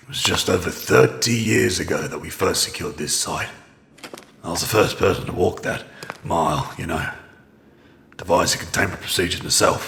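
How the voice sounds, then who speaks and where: A man puts on a character voice that is raspy and very deep, low in pitch. He talks at a fairly quick pace with long, frequent pauses. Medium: audio drama. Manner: profane, blunt, sarcastic.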